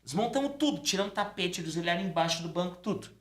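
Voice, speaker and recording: A middle-aged man, a podcast guest telling a personal story casually and acting out the dialogue. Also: fast talker. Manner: animated storytelling, acting out dialogue with pitch swings. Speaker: podcast guest, Umbanda priest.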